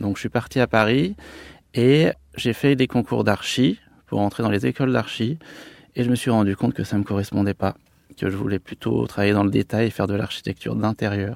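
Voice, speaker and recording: A man's normal speaking voice, fairly low in pitch with ordinary pitch variation, dry and close with no echo. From Annecy, Haute-Savoie, France. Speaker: interior architect and designer. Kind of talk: interview.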